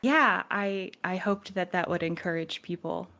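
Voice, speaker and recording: A woman speaks in a moderately low voice. She co-hosts a podcast in a relaxed, casual chat style. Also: a little slow. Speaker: podcast co-host.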